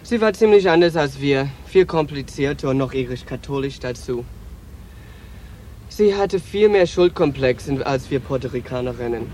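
An actor playing a streetwise, quick-tempered trans street hustler, sharp and emotional, in a radio drama. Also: male voice, mid-range voice, close to an everyday voice. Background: music, traffic and street sounds.

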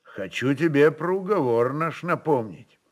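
A man voicing a bold, forceful Cossack chieftain in a radio play, commanding and theatrically mock-humble. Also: a little high, lively intonation, measured pace. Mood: serious, pressing.

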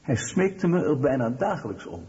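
Echoey, distant actor as an earnest doctor. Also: male voice, medium pitch, sing-song, moderate pace, darkish tone, close to an everyday voice. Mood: grave, reluctant. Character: earnest male doctor speaking gravely about a patient. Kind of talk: Dutch radio documentary drama acting. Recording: echoey hall, distant muffled sound.

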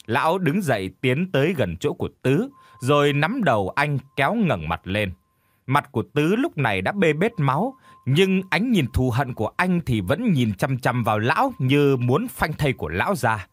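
A man narrating a dramatic audio story in a scripted, expressive storytelling voice. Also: mid-range voice, normal speed, dry recording.

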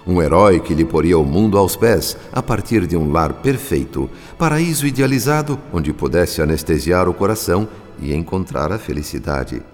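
A man's voice: low voice, animated, moderate pace, few pauses, a little mellow, in a large hall, faint music behind. A male narrator reading a radio drama in a dramatic, lyrical manner.

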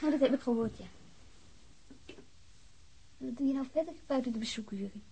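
An actress playing a young, caring daughter who gently coaxes and questions her wounded father in a radio play. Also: sits high, moderate pace, a little hiss or hum. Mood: concerned, probing. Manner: gently probing, coaxing, hesitant. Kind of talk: naturalistic radio play acting.

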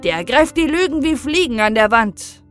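A woman voicing a quarrelsome old peddler man with a goat beard in an audiobook fairy tale, lamenting and crying out loudly. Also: medium pitch, normal speed, soft background music, natural voice. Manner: loud, lamenting outbursts.

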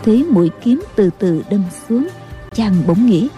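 Mellow woman narrating a storybook. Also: medium pitch, expressive, a little slow. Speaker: audiobook narrator. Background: faint music.

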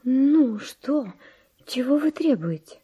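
An actress playing a guarded, proud yet wavering noble widow in a classic radio play, breathy and hushed, with measured theatrical delivery. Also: female voice, high-pitched, animated, full character voice. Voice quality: breathy, often near whisper. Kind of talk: classic Russian radio play verse acting.

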